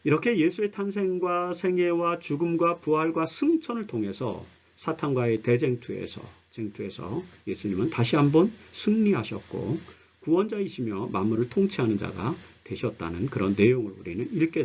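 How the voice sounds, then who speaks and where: A man gives an explanatory Bible lesson in a fairly high voice that rises and falls widely. He stresses key phrases like a teacher and lets sentence endings drop away. The recording is a little dull. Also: big pitch swings, normal speed, a little mellow, breathy edge. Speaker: Bible study commentary presenter. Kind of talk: explanatory religious lecture with scripture readings.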